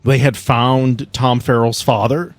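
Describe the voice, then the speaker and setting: A man's voice: mid-range voice, level tone, slow, no room sound. A man in his thirties hosting a tabletop game podcast, chatting casually and recapping the story as game master. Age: 30s.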